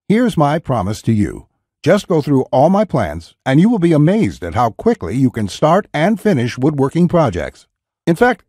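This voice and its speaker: A man reading a scripted, pushy sales pitch as a voice-over. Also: darkish tone, dry recording, clean studio sound. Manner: pushy, urgent salesman delivery.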